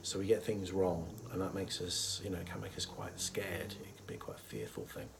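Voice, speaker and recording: A man with a cold and a husky voice, talking casually and thoughtfully to camera about a mental health topic, pausing often with fillers. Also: low-pitched, big pitch swings, background noise. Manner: thoughtful, hesitant with many fillers, chuckles softly. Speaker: therapist. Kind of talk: casual educational talk to camera.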